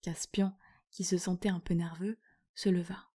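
A woman reading a children's novel aloud, expressive and doing the characters. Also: on the low side, moderate pace, breathy edge. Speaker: reader.

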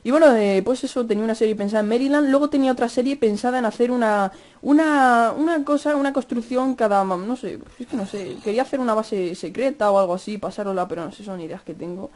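Fast-talking young Spaniard gaming. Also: male voice, very high voice. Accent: Spain Spanish. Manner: fast-talking, chatty, cursing and shouting at game mobs. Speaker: gaming youtuber. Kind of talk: Minecraft gameplay commentary.

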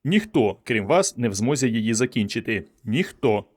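A man voicing an earnest, excitable young doctor who speaks with fervent conviction. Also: medium pitch, normal speed, breathy edge. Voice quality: fervent, emphatic.

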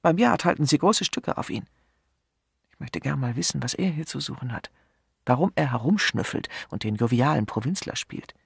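A polished, wary hotel manager, as a male audiobook reader plays him, speaking in smooth courtesies that turn sharp. The voice is gravelly and husky, recorded dry and close. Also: mid-range voice, animated, normal speed, no room sound, exaggerated voice.

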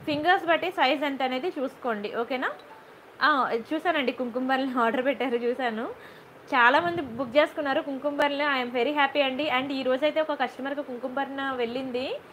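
A woman with a high, bright voice runs a chatty live stream selling jewellery, warmly greeting viewers by name and checking in with repeated "okay?" while mixing English words and phrases into her Telugu. She talks briskly, and the poor audio carries a faint hiss underneath.

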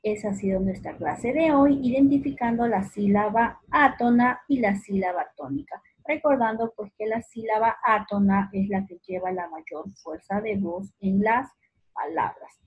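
A woman teaching a remote lesson to young children, slowly stretching out words syllable by syllable and speaking affectionately to the child. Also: mid-range voice, slightly rough, highs cut off. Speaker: primary school teacher.

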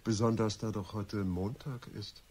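Smooth teasing flirt in a radio play, deep and husky. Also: male voice, fairly even intonation, measured pace, darkish tone. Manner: suave, teasing banter. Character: flirtatious, teasing male friend of a lawyer. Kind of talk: German radio play acting.

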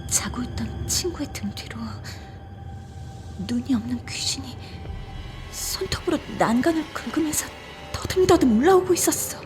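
An actress playing a frightened young woman who recounts a ghost story in an intimate, suspenseful audio drama style, conversational and at times hushed. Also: high-pitched, animated, moderate pace. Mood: hushed, uneasy. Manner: conversational, suspenseful, drops toward hushed whispers. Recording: background music under the voice.

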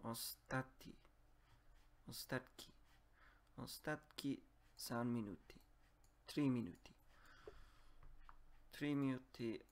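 A man whose first language is English practises speaking, slowly and haltingly, repeating words at his computer. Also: medium pitch. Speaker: language learner.

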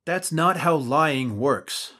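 A man's voice: a little high, takes it slowly, a crowd in the background. An actor playing a weary young man who keeps his two bumbling companions in line, with an exasperated straight-man delivery. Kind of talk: audio drama acting.

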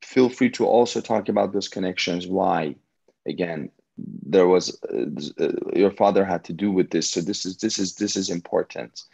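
A man whose first language is Farsi, giving an energetic, motivational talk to students as a guest speaker on a video call. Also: deep voice, moderate pace, gravelly, husky, low-quality recording. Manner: energetic and motivational, with frequent restarts.

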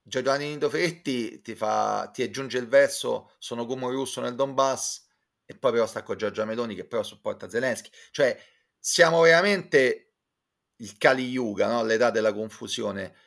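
Gravelly man, talking intellectually. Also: medium pitch, fairly bright tone. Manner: intellectual, discursive, halting with repeated self-corrections. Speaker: guest commentator. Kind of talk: casual opinionated discussion, recounting a concert. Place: small room with bookshelves, at home. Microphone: computer mic on a video call.

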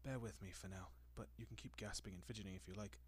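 A man playing a doting, possessive centuries-old vampire in an intimate roleplay audio, speaking in a genteel, coaxing manner with lingering pauses. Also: on the low side, steady tone, husky. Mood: tender, indulgent.

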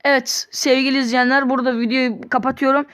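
A woman's voice: high-pitched, little pitch movement, fast talker, a bit bright, clear, resonant tone. Exasperated woman scolding at a football video game. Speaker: gamer. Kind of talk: live reaction while playing a football video game.

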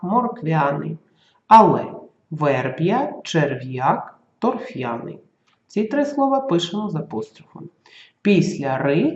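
A teacher giving a school grammar lesson, dictating slowly and carefully and sounding out letters and example words. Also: mid-range voice, echoey room, muffled recording.

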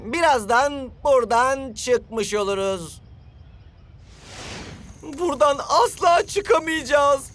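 A man voicing a jittery young male footballer who is a fake wilderness scout, in a cartoon dub. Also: heavily acted. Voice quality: high, excitable, anxious. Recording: music behind the voice.

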